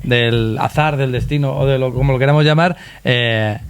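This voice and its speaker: A male interviewer with a voice at a middle pitch hosts the conversation in a friendly, informal way. He often hesitates and repeats words as he works toward each question. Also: moderate pace, clean tone. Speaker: interviewer host.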